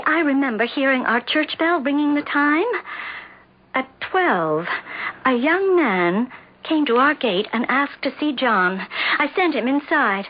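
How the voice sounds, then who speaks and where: An actress playing a distraught, insistent wife in a 1970s radio drama, speaking in halting, anxious repetitions. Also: female voice, high-pitched. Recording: dull vintage radio recording.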